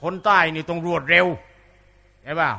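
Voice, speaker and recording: A man giving an Islamic sermon in a lively, humorous way, mimicking regional dialects as he goes. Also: on the high side, normal speed, vocal fry. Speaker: Islamic preacher.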